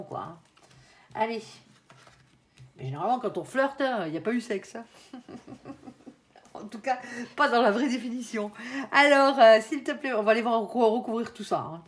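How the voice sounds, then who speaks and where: Chatty woman doing a tarot reading. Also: on the high side. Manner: chatty, frequent tag "hein", addresses her angel. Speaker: tarot card reader.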